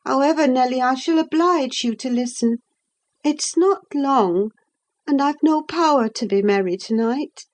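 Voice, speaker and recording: Woman reader doing a passionate young woman, high-pitched, emphatic, slow and dramatic. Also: a little mellow. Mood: intense. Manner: impassioned, emphatic. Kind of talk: audiobook character voice.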